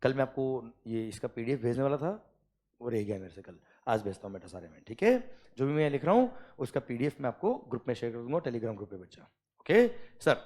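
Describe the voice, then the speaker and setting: A man with an Indian accent teaching a classroom lecture. He dictates slowly word by word, then explains quickly and keeps checking that the students follow. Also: mid-range voice, lively intonation, a little mellow. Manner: checks understanding often, calls students "beta" and "sir".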